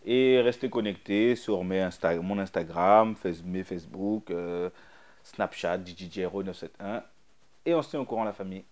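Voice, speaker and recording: Joking low-voiced man, blunt. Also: normal speed, a little mellow. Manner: jokey, blunt, hesitant with fillers. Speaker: DJ and producer guest. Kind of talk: casual interview answers.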